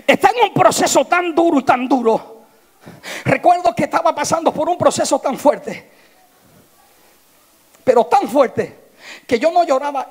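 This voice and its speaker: A male pastor preaching an impassioned sermon, swinging from shouted lines to hushed, tearful tones. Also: very high-pitched.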